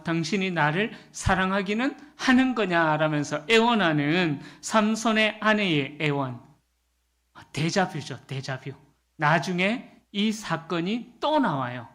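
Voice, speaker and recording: A man's voice: high-pitched, fairly bright tone. A middle-aged male pastor preaching at a Friday prayer meeting. He talks in a conversational way, often asks the congregation to agree, and acts out the lines he quotes with humor.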